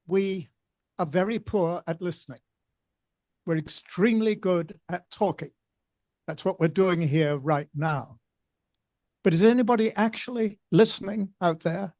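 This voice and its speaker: A man asking an articulate, measured question from the floor at a conference. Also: fairly high pitch, a little mellow, dry recording. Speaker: audience member asking a question.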